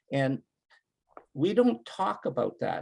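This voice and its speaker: His pitch ranges very widely up and down. There is vocal fry in this man's voice. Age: 70s. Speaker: podcast host. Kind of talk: casual chat. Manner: halting.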